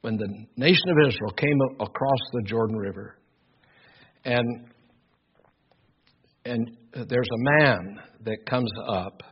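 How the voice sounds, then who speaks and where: An older male preacher with a loud, husky voice delivers an earnest sermon. He presses his points with emphatic repetition. The recording sounds dull and lo-fi. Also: mid-range voice, slow pace, long pauses. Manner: earnest, emphatic, repeats words while building points.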